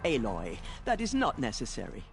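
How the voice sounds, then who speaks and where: A man playing a calm, formal tribal priest who speaks in ceremonious phrases. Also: medium pitch, normal speed, background noise.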